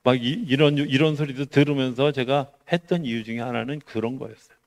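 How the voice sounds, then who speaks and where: A middle-aged man preaching a Korean sermon in a talky, conversational way. He asks rhetorical questions, then his voice rises and falls sharply in loudness, from hearty emphasis down to near-whispered asides. His pitch sits in an ordinary middle range. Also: steady tone, fairly quick. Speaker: pastor.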